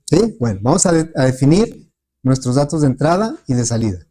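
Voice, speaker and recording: A man gives a classroom lecture, patiently checking in with his students through frequent questions, with many fillers and restarts. His mid-range, mellow voice is sing-song and fairly quick.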